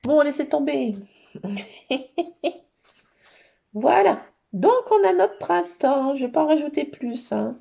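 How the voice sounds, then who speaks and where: Chatty woman with a high, gravelly voice. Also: takes it slowly, long pauses. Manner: chatty, talks to viewers while working, thinks aloud with bursts of excitement. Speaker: scrapbooking crafter hosting a live session. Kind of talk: casual craft tutorial chat.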